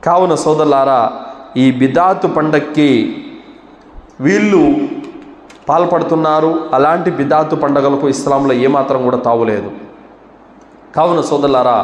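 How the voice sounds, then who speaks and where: A man giving a Friday sermon in a mosque, asking rhetorical questions and answering them himself, his voice swinging between raised exhortation and low, firm statements. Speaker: preacher. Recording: echoey mosque hall.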